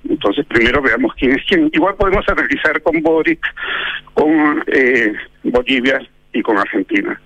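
A man's voice: mid-range voice, bright, forceful tone, dry recording, low-quality recording. A man giving political commentary as a guest in a radio interview, arguing emphatically with ironic asides.

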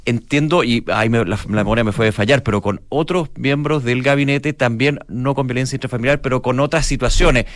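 A man's voice: medium pitch, fairly quick, hardly any pauses, no echo. A man with a Chilean Spanish accent talks through the news on a morning radio show. His delivery rambles, with frequent restarts as he thinks aloud, and the sound is dry and close.

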